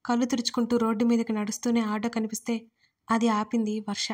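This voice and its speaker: A woman narrating a serialized audio story in an even, steady reading. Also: fairly high pitch, a little fast.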